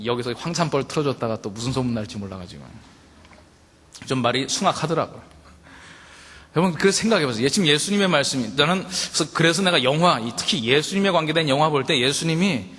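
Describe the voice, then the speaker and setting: A male pastor delivers a sermon in a talking-to-you style, putting question after question to the congregation. His voice sits a little high for a man. Long reverb trails off his words in a large hall. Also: a bit bright, husky. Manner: conversational preaching, addresses the congregation directly with rhetorical questions.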